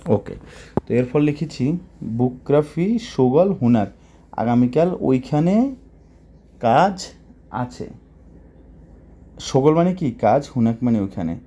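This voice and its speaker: A man with a mellow, darker voice gives a language lesson. He goes word by word and repeats each phrase. He keeps checking his listeners with quick questions. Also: mid-range voice, big pitch swings, slight background noise. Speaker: Arabic teacher.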